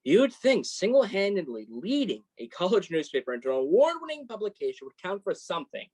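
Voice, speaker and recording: A woman plays a young male journalist in a contemporary stage play, an encouraging and self-deprecating best friend. The voice sits low for a woman and moves up and down in lively swings. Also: fairly quick, husky. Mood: sympathetic, encouraging.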